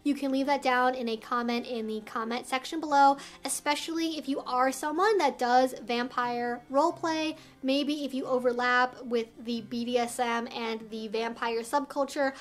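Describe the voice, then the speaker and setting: A woman's voice: high-pitched, steady tone, moderate pace, hardly any pauses. A woman hosting an explainer vlog, speaking straight to viewers with careful, emphatic phrasing. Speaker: video host and educator.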